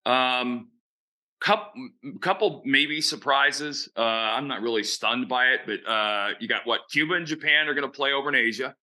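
A man's voice: medium pitch, moderate pace, bright, forceful tone. A man giving blunt, opinionated baseball analysis in casual podcast chat. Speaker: baseball analyst and show regular.

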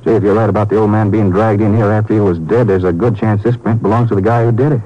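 An actor playing an easygoing, observant Texas Ranger partner with plainspoken folksy talk in a 1950s radio drama. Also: male voice, fairly low pitch, steady tone, quick pace, dark tone, natural voice. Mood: observant, speculative. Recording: muffled, noisy old radio broadcast.

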